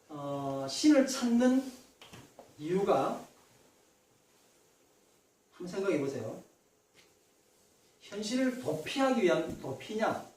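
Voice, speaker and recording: In a church sanctuary, a male pastor delivers a Sunday sermon conversationally, directly quizzing his congregation. His slightly high, darkish voice carries a roomy echo, and he stands somewhat back from a distant mic over a faint hiss.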